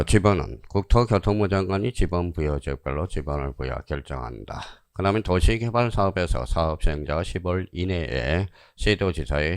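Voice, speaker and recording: A man teaching an online exam-prep lecture, drilling students with quick questions and answers and repeating key phrases for emphasis. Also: low voice, no echo, clean studio sound.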